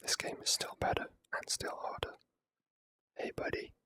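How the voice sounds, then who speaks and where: Here, ASMR gaming commentary is delivered in a gentle whisper with a crisp, bright edge, never breaking into a normal voice. The creator keeps things casual and slow, letting slip a mild swear now and then.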